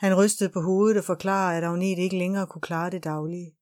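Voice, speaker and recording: Woman narrator, low voice, steady audiobook reading. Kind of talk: scripted narration.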